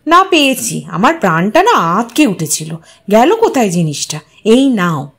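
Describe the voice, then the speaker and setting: A woman's voice: medium pitch, big pitch swings, normal speed, slightly rough. A woman voicing a fussy, reproachful young wife who is fond of her husband, in an audio story. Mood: relieved.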